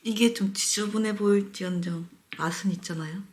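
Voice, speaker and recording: With a medium-pitched voice, fairly even intonation and a moderate pace, a woman chews her way through a casual eating-show chat with viewers. She frequently talks mid-bite and murmurs asides about the taste. Faint noise with clicks sits under a roomy echo.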